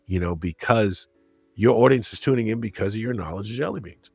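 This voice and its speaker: Male interview guest, very low and husky, explanatory and conversational, dry sound. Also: a little fast, darkish tone, no echo, soft background music. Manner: explanatory, uses examples and rhetorical questions. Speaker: guest, media critic and broadcaster. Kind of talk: conversational interview, giving advice.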